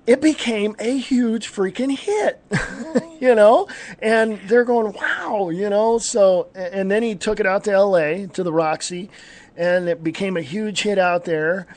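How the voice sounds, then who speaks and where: A man's voice: sits high, unhurried. A man in his fifties hosting a live talk show, chatting casually with many fillers and frequent laughs. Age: 50s. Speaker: podcast host. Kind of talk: casual chat.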